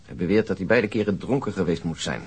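An actor playing a matter-of-fact police investigator in a radio drama, reporting in a measured, factual way. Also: male voice, low voice, darkish tone, slightly rough. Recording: noisy old radio drama recording.

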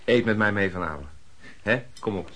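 An actor playing a shrewd but sociable peddler in radio drama dialogue, talking in a hesitant, colloquial bargaining manner. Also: male voice, on the low side, normal speed, a little hiss or hum, close to an everyday voice. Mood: friendly. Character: shrewd but sociable male peddler, haggling while acting helpful. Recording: busy room with loud chatter. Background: crowd chatter.

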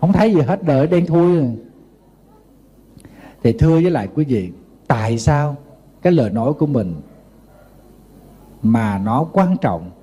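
A man's voice: a little high, moderate pace, pauses often, slightly rough. A middle-aged man with a Southern Vietnamese accent, preaching as a Buddhist monk, telling humorous anecdotes in a sermon. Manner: lively anecdotal storytelling with humor.

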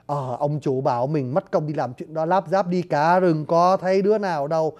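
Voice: medium pitch, moderate pace, a little mellow, voice pushed down, natural voice. A narrator voicing a mischievous male forest sprite who grumbles about his errands and mutters to himself. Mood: grumbling.

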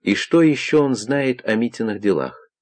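A man narrating an audiobook in a measured, even reading. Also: mid-range voice.

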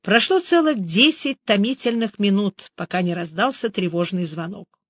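A woman narrating a first-person audiobook with lively, ironic storytelling. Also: mid-range voice, normal speed, dry recording, muffled recording.

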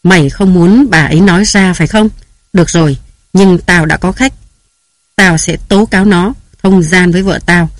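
Guy voicing a jealous bully husband, harsh and shouty, high-ish voice, dry sound. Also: normal speed, no echo, lightly acted. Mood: domineering. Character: jealous, domineering young husband shouting threats.

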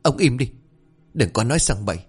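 A man voicing a desperate, furious young widow who cries out high and shrill. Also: big pitch swings, fairly quick, breathy edge, faint music behind.

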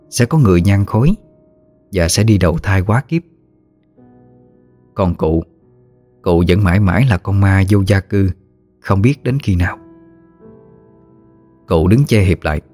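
Man, ghost story narrator, low voice, dry, quiet music.

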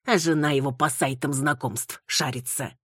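A woman's voice: extremely low pitch, fairly even intonation, moderate pace, fairly bright tone, husky, no room sound, studio quality, full character voice. A woman reading an audiobook, voicing a nosy elderly woman who lectures and gives advice. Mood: scolding. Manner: lecturing, prying.

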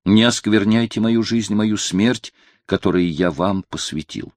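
A man's voice: on the low side, a little slow, darkish tone, dry recording. A man voicing a devout, loyal counselor pleading fervently with his friend, in an audiobook reading.

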